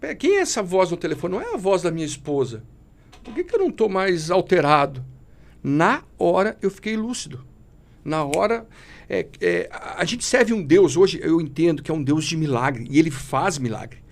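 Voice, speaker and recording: A man with a fairly high voice and a gravelly, crackling edge tells his testimony as a podcast guest. He speaks fervently in a preachy way and keeps turning to the listener as brother. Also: big pitch swings, moderate pace. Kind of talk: emotional testimony.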